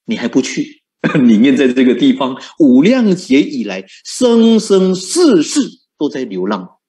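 A man's voice: mid-range voice, sing-song, a little slow, warm tone. A man, a Buddhist monk, giving a dharma talk in Mandarin with a Fujian tinge, asking rhetorical questions and chuckling at his own points. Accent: Fujian-influenced Mandarin.

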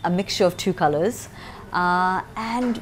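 Chatty woman makeup artist, lowish voice. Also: a little slow, background noise. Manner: chatty, frequent ums and restarts. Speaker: makeup artist and salon owner. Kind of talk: interview answers. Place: makeup studio with a backdrop, indoors. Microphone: lapel mic.

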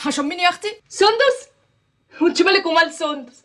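An actress playing a brash, quarrelsome working-class woman who scolds quickly, with an Egyptian accent. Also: very high voice, animated, fairly bright tone. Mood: scolding. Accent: Egyptian Arabic. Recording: TV drama with faint music.

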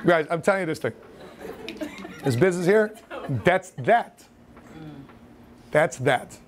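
A man in his forties giving an animated motivational seminar talk in a training room, laughing and acting out scenes as he paces. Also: fairly high pitch, takes it slowly, noisy background. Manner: paces and gestures in front of the audience. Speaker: seminar speaker. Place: indoor training room with whiteboard and seated audience.

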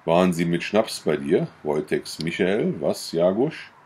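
Old widowed farmer from a storybook, measured and husky; male reader. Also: sits low, big pitch swings, a little mellow, exaggerated voice. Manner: deliberate, measured.

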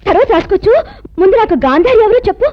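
A high, quick, excitable young wife, naive and dramatic. Her rapid speech comes through a dull film soundtrack with music behind it. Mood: insistent.

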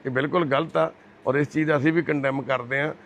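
A man reporting from the street, fast-paced with a gravelly edge to his voice. He talks in a pleading way and calls the people he meets brother and mother. Faint ambient noise sits behind him. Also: medium pitch, steady tone, fairly bright tone. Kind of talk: street interview.

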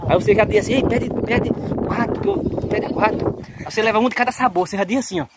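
A man's voice: high voice, fast talker, heavy background noise. A man hosting a casual outdoor family vlog, playful and coaxing, now and then breaking into a sing-song street-seller's call. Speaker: vlog host.

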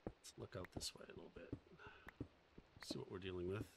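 A man's voice: low voice, brisk, gravelly, heavy background noise. A man with a faint Boston accent, casually thinking aloud and chatting with viewers while streaming a game. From Boston area. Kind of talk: casual live-stream commentary.

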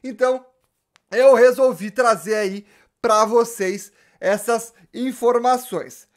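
A man's voice: very high voice, fairly even intonation, slow pace. A young man, chatting animatedly to camera about football, slangy and full of restarts. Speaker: football YouTuber. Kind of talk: casual fan commentary to camera. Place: small indoor room with gaming chair.

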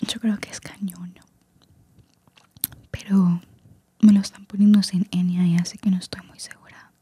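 A woman's voice: medium pitch, level tone, normal speed, warm tone, husky. A woman whispering ASMR-style into a close singing microphone, explaining slang and mixing in English words. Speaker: vlogger teaching slang.

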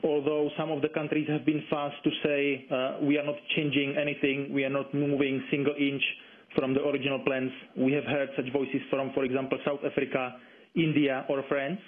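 A man is being interviewed over a phone line that narrows his voice. His intonation stays quite flat. He explains things carefully, with some hesitation as he chooses his phrases. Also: mid-range voice, brisk. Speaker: interviewed environmental campaigner. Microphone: telephone. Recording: dull, band-limited phone line.

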